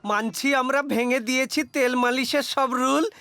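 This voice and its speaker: A mischievous young cartoon boy, voiced by a performer who chatters in sing-song rhymes. The voice sits high, with faint music underneath. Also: unhurried, exaggerated voice. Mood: pleading. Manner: sing-song rhyming patter, lively. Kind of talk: cartoon dubbing.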